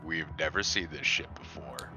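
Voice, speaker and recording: A man's voice: extremely low pitch, normal speed, pushed and bright. A man chatting casually as a player in a tabletop roleplaying game. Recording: lo-fi audio with music underneath.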